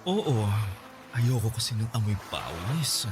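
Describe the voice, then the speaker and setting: An actor playing a flamboyant, impatient gay man who teases and pushes, with drawn-out hums. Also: lowish voice, sing-song, music in the background. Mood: coaxing, flirty. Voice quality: teasing, theatrical, drawn-out hums. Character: flamboyant gay male client, pushy, impatient. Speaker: voice actor in radio drama.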